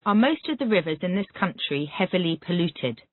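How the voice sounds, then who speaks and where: Here a teacher of English runs through a Callan drill, calling out words and then asking brief questions over and over. The voice is mid-range with large pitch movements, and the sound is dry and tinny as if over a phone.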